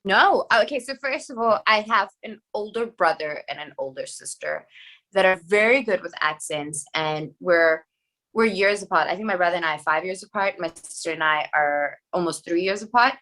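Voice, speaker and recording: Chatty, animated young woman actress. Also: fairly low pitch. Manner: chatty and animated, quick asides and many "like" fillers. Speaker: actress guest. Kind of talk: casual podcast chat.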